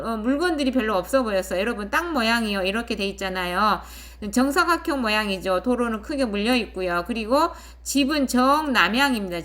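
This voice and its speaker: A woman's voice: a little high, a bit bright. A woman hosting a property channel, explaining a listing in a conversational way and often checking in with viewers. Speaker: host of a rural real-estate channel. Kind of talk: casual explanatory narration of property listing and photos.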